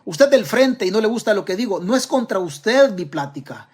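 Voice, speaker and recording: A man's voice: high-pitched, big pitch swings, normal speed. A man with a Salvadoran accent giving political commentary to camera, emphatic and firing rhetorical questions straight at his audience. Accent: Salvadoran Spanish.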